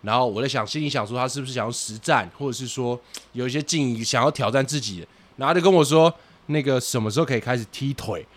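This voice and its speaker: A man who coaches boxing, chatting casually on a podcast, telling lively anecdotes and swearing for comic effect. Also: mid-range voice, quick pace.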